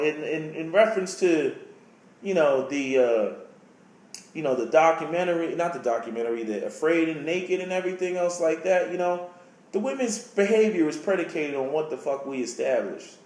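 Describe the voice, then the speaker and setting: A man giving a heated, profane opinion rant as a vlogger, speaking in an animated way. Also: a little high. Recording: roomy echo.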